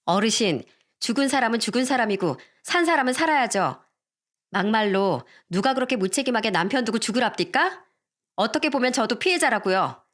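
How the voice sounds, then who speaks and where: A brazen young mistress in a dramatized story, cheeky and defiant, always talking back, as a woman narrator plays her. Her voice sits higher than the narrator's own. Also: animated, a little fast, a bit bright.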